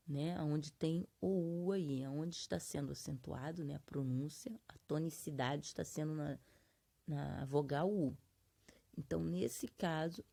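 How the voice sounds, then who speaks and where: A woman's voice: low voice, creaky, mellow. A Brazilian woman teaching a grammar lesson, explaining patiently and drawing out example words syllable by syllable. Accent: Brazilian Portuguese. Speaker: Portuguese teacher. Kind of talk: classroom lesson.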